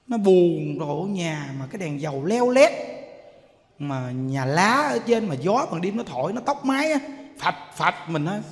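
High-voiced Southern Vietnamese monk preaching. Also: male voice. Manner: emotive storytelling, often addresses the audience. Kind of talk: sermon. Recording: long hall reverb.

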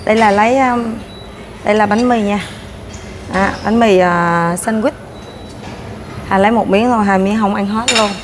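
Casting note: woman in her 30s, chatty buffet vlogger on a lapel mic, steady mid voice, dishes clinking clearly behind. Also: mid-range voice, moderate pace, pauses often, slight background noise. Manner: chatty, narrating while serving herself food. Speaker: food vlogger. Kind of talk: casual walkthrough vlog. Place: hotel breakfast buffet room, indoors. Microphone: clip-on lapel mic.

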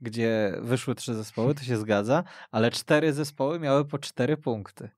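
A man's voice: mid-range voice, steady tone, moderate pace, darkish tone, dry recording, studio quality. A man hosting a football discussion on the radio, with hesitant, stop-start phrasing. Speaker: host. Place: radio studio.

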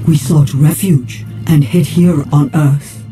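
Brief: a measured, slow-spoken robot warrior woman, film score under her. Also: sits low, poor audio. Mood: solemn. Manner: calm measured explaining. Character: wise female bird-like robot warrior. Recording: film soundtrack with music underneath.

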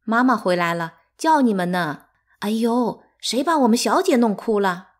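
A woman's voice: on the low side, lively intonation, moderate pace, breathy edge. A woman reading aloud, voicing a flustered, fussing older maidservant.

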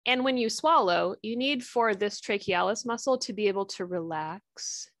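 A woman's voice: medium pitch, normal speed, a bit bright, no room sound, clean studio sound. A woman giving a recorded histology lecture, chatty and upbeat, with jokey asides and frequent ums.

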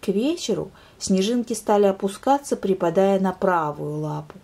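A woman reading a children's story aloud in a calm, expressive manner. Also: mid-range voice, normal speed, vocal fry. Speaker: reader.

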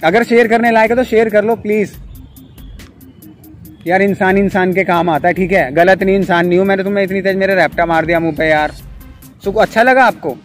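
A man's voice: sits high, fairly even intonation, fairly quick, faint music behind. A young man hosting a prank video in a park, chatting casually and coaxing with constant "yaar". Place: outdoor park.

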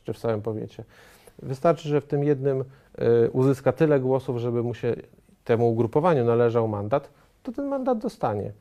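A man in his thirties, a studio guest answering interview questions in a measured way, with frequent hesitations and restarts. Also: mid-range voice, warm tone. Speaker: studio guest, member of parliament. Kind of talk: political TV interview. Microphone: lapel mic.

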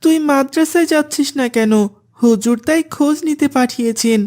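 A woman voicing an earnest high-voiced cartoon boy. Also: brisk, darkish tone, close to an everyday voice. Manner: polite, dutiful. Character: earnest devout young boy student.

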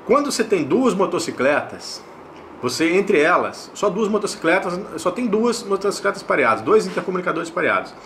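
Higher-pitched Brazilian man, noisy recording. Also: very animated, fairly quick, a bit bright. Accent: Brazilian Portuguese. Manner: explanatory, repeats and checks in with tag questions. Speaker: product review host. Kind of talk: casual unboxing and review narration.

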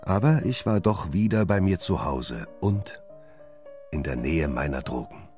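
An actor playing a haunted gentleman doctor, narrating his downfall in a grave, measured way in a radio play. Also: low voice, animated. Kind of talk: dramatic first-person narration in a radio play. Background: music.

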